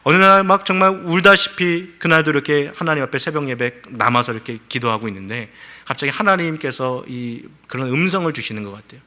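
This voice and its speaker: Middle-aged male pastor, very bright, slightly raised pitch, storytelling sermon that builds to fervent pleas. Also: brisk. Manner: storytelling with acted-out quotes, rising to fervent pleas.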